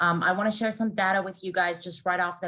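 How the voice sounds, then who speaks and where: Heard on a very clean recording with a silent background, a woman with a bright, sharp tone and a fairly low pitch speaks with fairly even intonation. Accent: Persian. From Iran, moved to US at 14. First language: Persian. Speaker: recruiter. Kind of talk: presentation. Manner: frequent fillers (um, uh).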